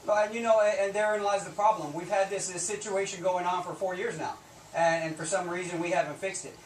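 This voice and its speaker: Male border officer, interview answers, earnest and plain-spoken, slightly high voice, roomy echo. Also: fairly even intonation, brisk. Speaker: Border Patrol agent being interviewed. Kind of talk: live news interview answers. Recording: roomy echo, distant mic, faint noise.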